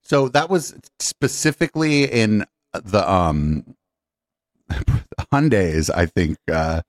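A man's voice: on the low side, lively intonation, takes it slowly, no room sound. A man presenting news stories on a podcast panel, casual and joking, with lots of fillers and restarts. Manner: rambling, joking, many fillers. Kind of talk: casual tech news chat.

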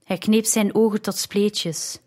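A woman narrating a story in the first person, with a slow, measured reading. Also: mid-range voice, fairly even intonation, a little mellow. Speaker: audiobook narrator.

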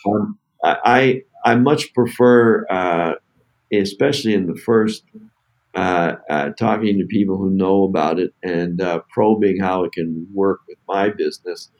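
A low-pitched man who founded a tech company, talking casually as a podcast guest. He stops and restarts often, filling gaps with "uh" and "you know". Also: darkish tone. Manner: halting, many fillers and restarts. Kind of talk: casual podcast interview answers.

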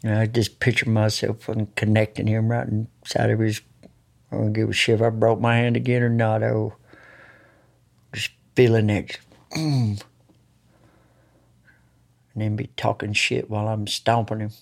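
A man's voice: fairly low pitch, monotone, normal speed, gravelly, pauses often. A man in his early fifties with a rural American country accent, talking candidly and bluntly with plenty of swearing. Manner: blunt, profane, folksy drawled phrasing. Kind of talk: raw, candid talk.

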